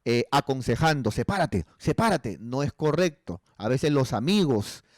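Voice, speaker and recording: A man's voice: mid-range voice, animated, moderate pace, a little mellow, dry recording, studio quality. A male pastor giving pastoral counsel in a conversational sermon, earnestly asking rhetorical tag questions.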